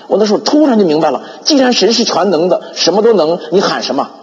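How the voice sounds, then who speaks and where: A man giving an animated sermon testimony, telling his story with frequent filler sounds and repeated words, on a dull lo-fi recording with long hall reverb. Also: high voice, quick pace, very noisy.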